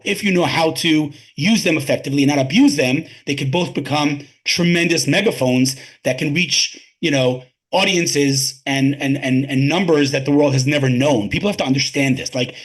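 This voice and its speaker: A tech advisor appears as a guest on an interview podcast, speaking emphatically in a conversational way and often repeating words as he begins a sentence. His voice is on the high side, fairly bright and slightly rough.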